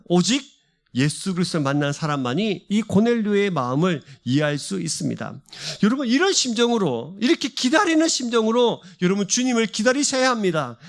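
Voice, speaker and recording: Male pastor, high and very lively voice, fervent sermon delivery with repeated building phrases. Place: church service.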